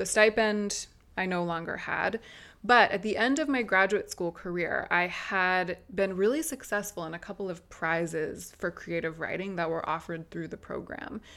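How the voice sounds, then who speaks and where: On a very clean recording with a silent background, a woman with an American accent talks at a moderate pace and medium pitch with ordinary pitch variation, in a normal speaking voice. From US, Maryland. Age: 30s. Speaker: YouTuber. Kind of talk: casual chat. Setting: studio.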